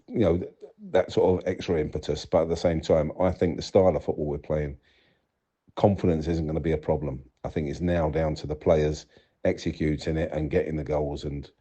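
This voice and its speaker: A man's voice: a bass voice, warm tone. A man giving casual football match reaction as a fan, talking conversationally and peppering it with "you know". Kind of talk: casual spoken match analysis. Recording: dull, lo-fi voicemail recording.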